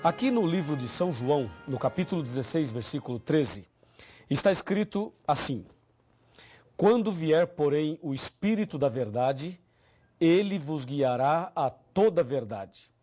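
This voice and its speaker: Brazilian pastor teaching Bible study. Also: male voice, a little high, warm tone, slightly rough. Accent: Brazilian Portuguese. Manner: measured teaching, slow scripture reading, direct questions to the viewer. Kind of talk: recorded Bible study lesson.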